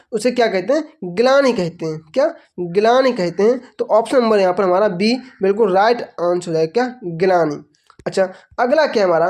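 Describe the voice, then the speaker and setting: A man's voice: sits high, darkish tone. A man teaching an exam-prep lesson, asking the class questions, answering them himself and repeating each answer. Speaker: online teacher.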